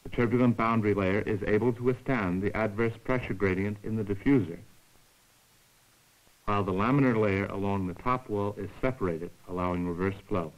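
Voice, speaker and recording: Low-voiced man narrating a science film. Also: low-quality recording. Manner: measured, formal, explanatory. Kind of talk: scripted scientific lecture narration.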